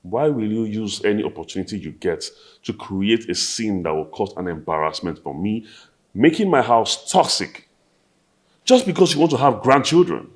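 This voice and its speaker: A young married son, played by an actor, pleads with his mother and defends his wife. His voice is very deep and low-pitched. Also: normal speed, reverberant, natural voice. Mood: exasperated.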